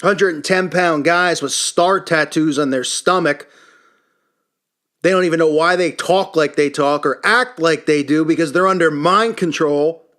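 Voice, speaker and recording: A man's voice: a little high, a little slow, a bit bright. A man delivers an indignant, emphatic, unscripted opinion rant as a commentary host. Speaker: YouTube commentary channel host.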